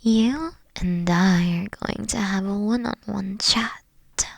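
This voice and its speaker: A woman playing a mature, regal queen in an audio roleplay, teasing and flirtatious with a breathy, coy delivery and a protective streak. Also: medium pitch, slow, dry recording, clean studio sound. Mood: flirtatious, commanding.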